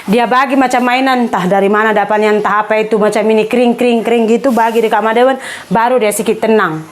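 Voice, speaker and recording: A woman's voice: fairly high pitch, steady tone, fast talker. A woman chatting casually to camera as a vlogger, slipping English words into her talk.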